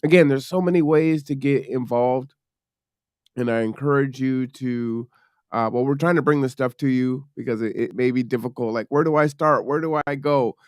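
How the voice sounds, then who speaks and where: A man's voice: medium pitch, moderate pace, no echo, clean studio sound. A man hosting a live show, talking loosely and chattily with fillers. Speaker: host.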